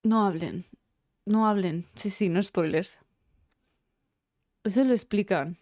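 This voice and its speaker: A woman's voice: medium pitch, slow pace, a little mellow, no room sound. Teary spanish girl streaming, rambly and sweary, medium voice, dry sound. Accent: Spain Spanish. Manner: emotional, rambling, swears freely. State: teary after crying. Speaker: game streamer. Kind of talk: casual live-stream chat.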